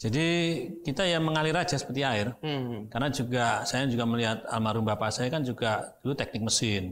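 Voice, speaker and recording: A man has an unremarkable speaking voice, medium in pitch, with ordinary pitch variation. He speaks at a fairly quick pace over light background noise. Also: very even loudness. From Jakarta, Indonesia. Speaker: regency head candidate, politician; candidate, politician. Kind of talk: TV interview. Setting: studio. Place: studio. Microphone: lapel.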